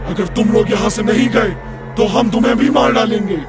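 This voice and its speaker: Casting: vengeful pond ghost played by a man, high voice, threatening and commanding, cartoon horror, loud music underneath. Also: steady tone, fairly quick. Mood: menacing. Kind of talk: cartoon horror story acting.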